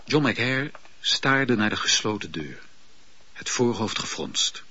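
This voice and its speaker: A man's voice: on the low side, bright, forceful tone, husky, no echo, exaggerated voice. A man narrating a radio play as a grave storyteller, reading scripted dramatic prose. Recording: dull, band-limited radio recording.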